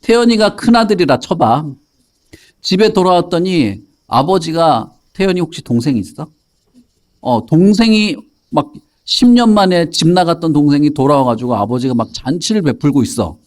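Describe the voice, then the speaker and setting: A man's voice: on the high side, animated, normal speed, a little mellow. A man teaching a Sunday school Bible lesson to children, telling the story and quizzing them by name in a playful way. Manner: playful, joking.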